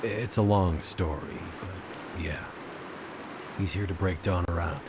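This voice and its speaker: A weary game hero with a low, deep voice. He sounds skeptical and dry, keeping a steady, measured delivery. Clear hissing noise sits behind him. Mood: questioning. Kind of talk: naturalistic video game acting.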